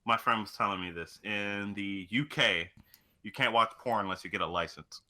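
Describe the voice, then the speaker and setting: A young man with a fairly low but strikingly bright, forceful voice. He talks off the cuff as a co-host in a casual gaming chat. His manner is crude and sweary. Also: normal speed. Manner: crude, profane joking.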